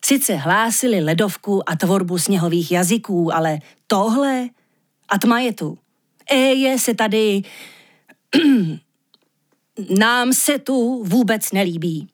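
A woman's voice: mid-range voice, lively intonation, long pauses, dry recording, studio quality, close to an everyday voice. A grouchy, plain-spoken man, voiced by a woman reading the tale, who complains bluntly and without patience. He is a storybook figure in a fairy tale audiobook.

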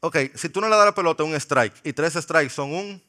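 Bright-voiced pastor preaching. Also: male voice, fairly high pitch. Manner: playful, jokes with the congregation; slows for emphasis on key words. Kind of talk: sermon. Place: church sanctuary.

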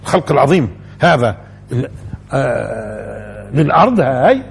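A man's voice: medium pitch, sing-song, moderate pace, vocal fry, a little hiss or hum. A man with a Levantine Arabic accent gives a Quran commentary lesson, repeating phrases and putting questions to his listeners. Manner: explains by repeating phrases and asking the audience questions. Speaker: religious teacher.

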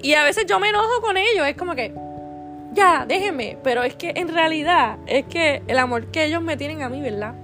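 A woman's voice: high voice, expressive, fairly quick, few pauses, fairly bright tone, soft background music. A woman hosting a podcast, giving a heartfelt devotional talk, earnest and affectionate, peppering her talk with "¿verdad?" and restarting phrases. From Puerto Rico. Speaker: podcast host sharing a devotional.

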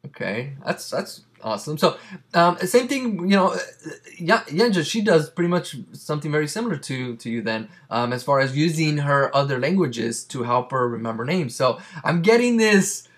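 A man's voice: on the high side, expressive, normal speed, a bit bright. A man whose first language is Spanish, hosting a casual interview and talking with many fillers and restarts. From Mexican family. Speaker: podcast host.

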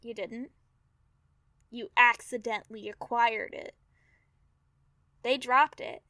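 Slow-paced, earnest young Fae companion, played by a woman. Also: fairly high pitch, fairly even intonation, bright, forceful tone, no room sound, dull audio, heavily acted. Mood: reassuring, earnest. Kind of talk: audio drama acting.

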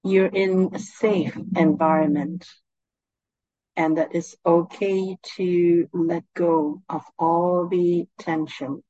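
Her instructions unhurried and very slow, a woman guides a meditation with a soothing, fairly low voice and a calm, gentle manner. The audio sounds dry and somewhat dull.

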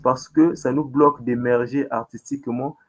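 A man's voice: medium pitch, steady tone, normal speed, rough recording. A man hosting a talk show, affirming and blessing his guest.

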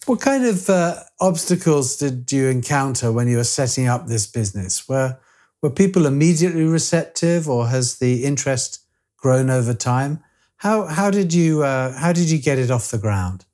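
A man's voice: medium pitch, animated, normal speed, darkish tone. A man hosting a podcast interview, asking inquisitive questions and often restarting them. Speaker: podcast host.

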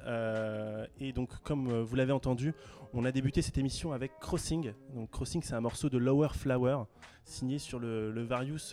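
A man hosting a casual radio chat show, relaxed and hesitant, with many fillers. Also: mid-range voice. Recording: music playing faintly behind.

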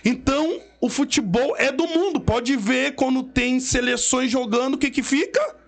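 A man's voice: very high voice, moderate pace, gravelly. A man with a Southern Brazilian gaúcho accent giving an emphatic, preacherly religious testimony as an interview guest. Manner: emphatic, preacherly, quotes scripture. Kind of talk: emotional storytelling testimony.

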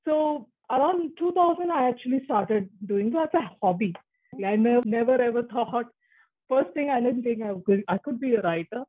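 A woman's voice: fairly high pitch, expressive, moderate pace, breathy edge. A woman in her forties whose first language is Tamil, talking casually as an interview guest, chatty with frequent restarts. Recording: muffled phone-like line.

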